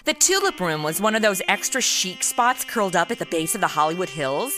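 A woman's voice: on the low side, big pitch swings, brisk, over music. A woman acting as a sassy, flippant American twenty-something in a comedic audio drama, with sarcastic, slangy delivery. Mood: wry narration. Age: young adult. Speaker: lead actor and narrator.

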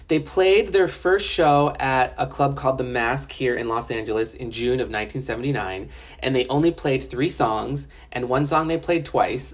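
Chatty, frank woman reviewing. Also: very deep voice. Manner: chatty, filler-heavy, frank and profane. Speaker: documentary reviewer. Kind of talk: casual spoken review. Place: home in Los Angeles.

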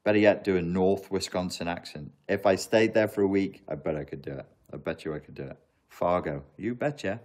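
A man's voice: sits low, fairly quick, darkish tone. A man, chatting casually on a live stream, answering viewer questions in a rambling, joking, self-mocking way.

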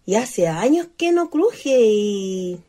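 A woman's voice: medium pitch, big pitch swings, slow pace, warm tone. An actress playing a shy, naive, wistful female ghost in a radio play, with a Chilean accent and a hesitant, girlish manner. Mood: shy, inviting.

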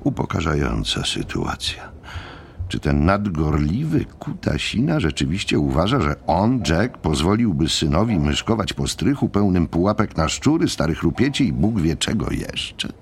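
A man's voice: low-pitched, big pitch swings, moderate pace, creaky, a little hiss or hum. A man narrating a novel as a scripted dramatic audiobook.

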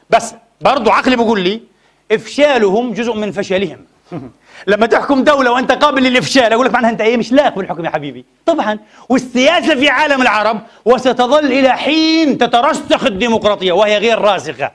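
High, rapid-fire preacher. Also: male voice, a bit bright. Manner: impassioned, rhetorical questions to the congregation. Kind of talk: Friday sermon. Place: mosque.

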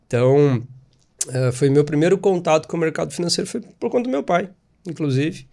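A man's voice: a little high, fairly quick, gravelly. A man in his thirties from Espírito Santo with a Brazilian Portuguese accent, a podcast guest talking casually and animatedly about his life. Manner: animated, chatty, frequent tag questions. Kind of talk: casual storytelling interview.

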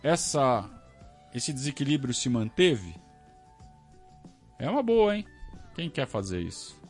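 A Brazilian man hosting a casual live stream, talking to his audience in an animated, ranting way. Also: medium pitch, takes it slowly, faint music behind. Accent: Brazilian Portuguese. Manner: animated, talks to the audience, rants and self-questions. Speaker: podcast host reading superchats. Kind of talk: casual live-stream chat about football.

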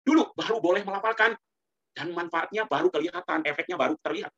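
A man's voice: sits high, fast talker, fairly bright tone. Guy preaching a buddhist sermon, casual and chatty, keeps talking straight to the crowd, slightly muffled lo-fi audio. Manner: colloquial, rhetorical, keeps addressing the congregation.

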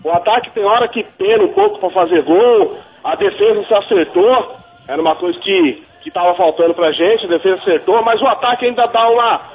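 Male caller, 40s, high-pitched, heard through a phone line, relaxed and hesitant. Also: a little fast. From São Paulo area, Brazil. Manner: relaxed, chatty, hesitant restarts. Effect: heard over a phone line. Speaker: radio show caller. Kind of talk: casual football chat.

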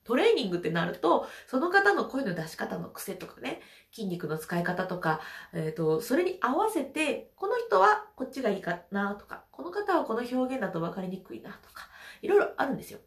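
A woman's voice: fairly high pitch, very animated, fairly quick, creaky, echoey room. A woman with a stuffy nose from hay fever, leading a casual voice lesson, chatty and laughing often. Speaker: voice trainer.

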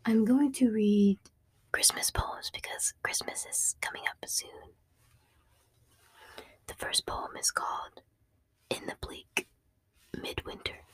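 Slow-whispering woman reading poems. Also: on the high side, slightly rough. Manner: soft unhurried whisper; occasionally stumbles over words. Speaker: host of an ASMR channel. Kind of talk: ASMR poetry reading.

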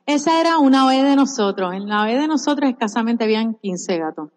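A woman giving a personal testimony on stage at a business seminar, telling her story in a lively way with laughter. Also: on the high side, quick pace. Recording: echoey large hall.

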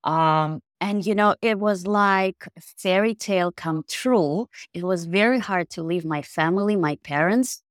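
A woman's voice: fairly low pitch, a little slow, dry recording, studio quality. A woman in her thirties from Ukraine, speaking English with a Ukrainian accent, telling her story thoughtfully in an interview, with many "you know"s. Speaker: podcast guest, mindfulness coach. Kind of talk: casual interview talk.

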